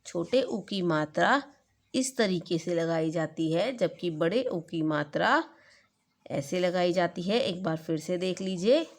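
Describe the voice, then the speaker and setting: A woman teaching a kindergarten class online, speaking to young children and drawing out sounds to show how they are said. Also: lowish voice. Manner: slow, stretched-out demonstration of vowel sounds.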